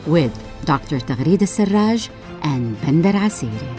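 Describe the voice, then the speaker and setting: A woman's voice: deep voice, sing-song, moderate pace, warm tone, faint music behind. A woman reading a scripted radio show promo in an announcer's delivery.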